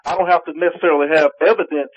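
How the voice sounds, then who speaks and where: A man's voice: on the high side, steady tone, racing, breathy edge. A man calling in to a radio show to debate, insistent and rambling, pushing his argument over the others. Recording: dull lo-fi call-in line.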